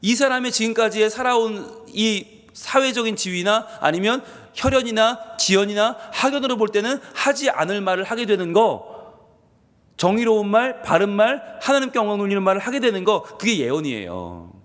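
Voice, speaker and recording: A man's voice: high-pitched, lively intonation, moderate pace, fairly bright tone. A man preaching an early-morning sermon as pastor, asking his congregation questions as he goes. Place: church sanctuary. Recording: long church reverb.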